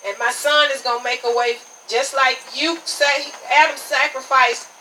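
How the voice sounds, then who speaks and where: A woman preaches a tent revival sermon in a high, forceful voice, stressing her points and dropping in amens. She is picked up from a distance in an outdoor setting, with noise and chirping insects behind her. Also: steady tone, moderate pace. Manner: emphatic, repeats "Amen" as punctuation. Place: outdoor tent service at night. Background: crickets and insects, congregation answering amen.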